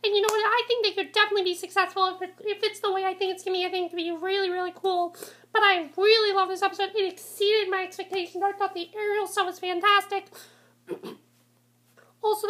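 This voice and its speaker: A woman's voice: extremely high pitch, a bit bright. A woman casually reviewing a TV episode, congested from a cold, rambling with many ums and restarts.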